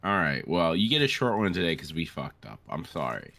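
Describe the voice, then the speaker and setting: A man's voice: sits low, sing-song, fairly quick, gravelly, pushed and bright. A man co-hosting a let's-play, chatting casually with a friend in a rambling, sweary way. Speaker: co-host of a let's-play show. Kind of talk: casual gaming banter between friends.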